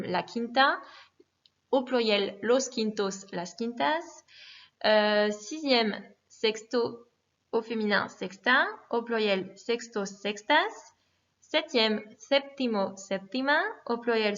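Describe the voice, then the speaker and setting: A woman teaching a lesson in a patient, methodical way, repeating forms and pausing with fillers. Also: on the high side, a bit bright. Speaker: Spanish teacher. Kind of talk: recorded classroom lesson. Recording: dull lo-fi recording.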